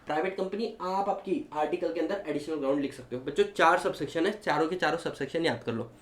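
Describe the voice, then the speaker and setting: In an echoey room, a man with an Indian accent lectures a class on law, talking fast in a fairly high voice. He's animated, switches between Hindi and English, and keeps asking students whether they follow.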